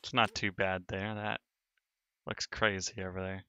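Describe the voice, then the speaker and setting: A man's voice: sits low, level tone, a little slow, bright, forceful tone, muffled recording, slight background noise. A man streaming a sandbox building game, thinking aloud in casual commentary as he narrates each step of his work.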